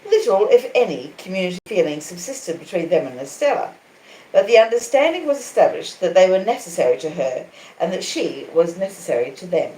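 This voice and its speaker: Low-voiced Australian woman reading in an echoey room. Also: animated, fairly quick, warm tone. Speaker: audiobook reader on a live stream. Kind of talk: expressive literary narration of a classic novel. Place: conservatory in a small cottage. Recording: roomy, echoing conservatory sound.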